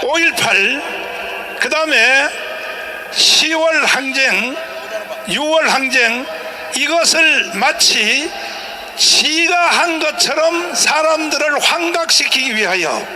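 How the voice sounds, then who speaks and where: A man's voice: very high voice, animated, slow pace, sharp tone. A male pastor hosting a political rally talk, blunt and haranguing, firing leading questions at his guest. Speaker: host, pastor.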